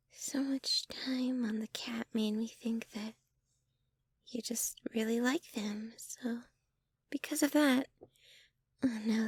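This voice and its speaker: A woman acts out a lovestruck, slightly obsessive young girlfriend in an ASMR audio drama. Her voice is high and soft, often nearly whispered, with a shy, giggly delivery. She talks slowly and haltingly, very close and dry on the microphone. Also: slightly rough, dry recording, exaggerated voice. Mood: sheepish, fond. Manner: bashful, giggly, halting, gushing. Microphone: close microphone, dry sound.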